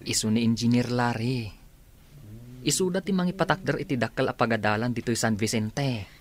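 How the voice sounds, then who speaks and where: An actor playing a friendly village eatery owner who speaks humbly and politely. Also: male voice, mid-range voice, a little fast, natural voice. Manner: deferential, says sir often. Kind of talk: Ilocano radio drama acting.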